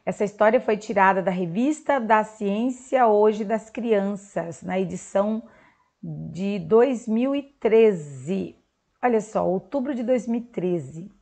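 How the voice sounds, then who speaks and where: Brazilian teacher lady, slow and singsongy, spelling out words for little kids. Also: mid-range voice, darkish tone. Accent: Brazilian Portuguese. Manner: slow, clear and sing-song, drawing out words for children. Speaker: primary school teacher. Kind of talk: recorded remote lesson for young children.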